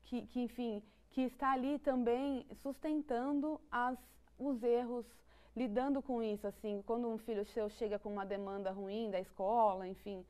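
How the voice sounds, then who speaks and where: A woman's voice: a little high, steady tone, moderate pace, warm tone, clear, resonant tone. A woman with a Brazilian Portuguese accent explaining psychology ideas in conversation, thoughtful, with frequent restarts and light laughs. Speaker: psychology guest.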